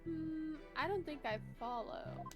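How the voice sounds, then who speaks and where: A woman's voice: high voice, a little slow. A woman co-hosting a let's play, bantering casually and reading game dialogue aloud. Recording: clear game music behind. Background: video game music.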